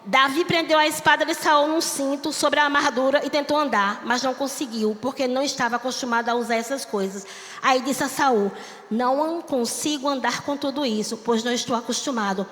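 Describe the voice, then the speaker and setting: Woman preaching hard, high voice, repeats lines and builds to shouts, big church echo. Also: a little fast. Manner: impassioned, repetitive cadence, rising to shouts. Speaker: missionary preacher. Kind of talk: Pentecostal-style sermon. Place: church sanctuary. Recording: long church hall reverb.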